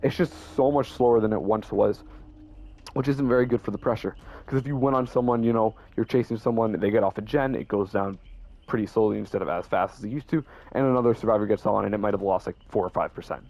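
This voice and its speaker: Fast and a little mellow, a lowish-voiced young man explains his game builds for his YouTube channel on a muffled recording. His talk is casual and rambling, full of stutters and self-corrections.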